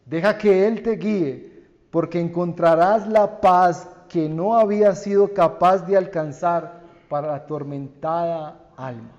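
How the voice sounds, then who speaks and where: A man with a Colombian Spanish accent, a pastor delivering a sermon in slow, earnest preaching that swells and then drops to hushed endings. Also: a little high. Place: church sanctuary. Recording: dull church recording with long reverb.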